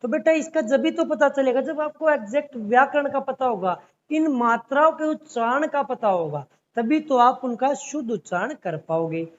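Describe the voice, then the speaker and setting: A man's voice: very high voice, normal speed, dull audio. A man teaching an exam-prep language class, explaining step by step and repeatedly calling his students "beta".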